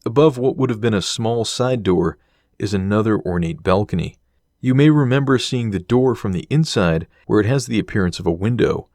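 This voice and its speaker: A man delivering scripted documentary narration as the host of an exploration series, in a measured, descriptive manner. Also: lowish voice, lively intonation, darkish tone, dry recording, clean studio sound.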